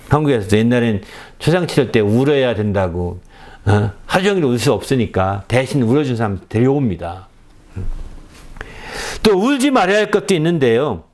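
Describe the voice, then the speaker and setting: A middle-aged male pastor giving a conversational sermon, often checking in with the congregation with a quick "eh?". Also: mid-range voice, a little mellow.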